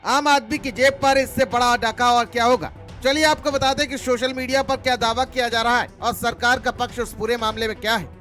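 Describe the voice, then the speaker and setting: A male news anchor reading a loud, sensational voice-over report. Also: very high voice, fairly even intonation, a little fast, hardly any pauses, faint music behind.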